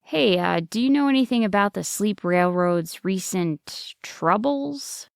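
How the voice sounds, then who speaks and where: Woman voicing an earnest, unhurried little sheep. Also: mid-range voice, expressive, gravelly, smooth, no room sound, studio quality. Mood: friendly, curious. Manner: hesitant, earnest. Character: young male sheep, hesitant, curious, earnest. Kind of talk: children's bedtime audio story.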